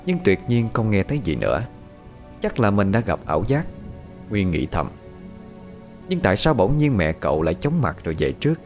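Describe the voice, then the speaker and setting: A man reading a horror story aloud as a narrator, steady with lively intonation. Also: on the low side, moderate pace, long pauses. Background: faint background music.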